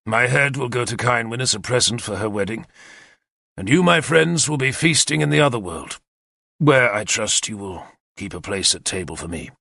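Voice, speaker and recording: A man's voice: medium pitch, normal speed, gravelly, dry recording, clean studio sound, full character voice. A man voicing a bold, commanding warlord. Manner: energetic, decisive, commanding.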